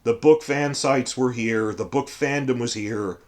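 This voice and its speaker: A hoarse man with a cold, giving emphatic, digressive commentary as a fantasy fandom channel host. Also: mid-range voice, unhurried. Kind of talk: ranting commentary.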